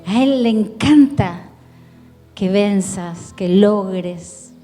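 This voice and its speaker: A woman's voice: medium pitch, drawn-out words, warm tone, long reverb tail, soft background music. A woman pastor with an Argentine accent, preaching a sermon in an earnest, pleading way, talking straight to the listener. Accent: Argentine Spanish. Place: church hall.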